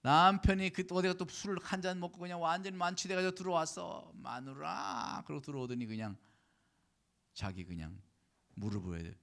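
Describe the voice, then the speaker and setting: A male pastor delivering a Sunday sermon at a church service, dropping to hushed whispers and rising to loud, emphatic declarations while prompting the congregation for responses. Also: high-pitched, a little fast.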